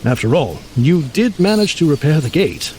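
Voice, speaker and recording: A man's voice: a little high, very animated, normal speed, dark tone, a little hiss or hum, poor audio. A man playing an erudite, genial mutant scientist in an audio drama, speaking in a florid, pompous, theatrical manner with bookish words. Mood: genial, curious. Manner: florid, pompous, bookish vocabulary with emphatic delivery. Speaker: scientist guide.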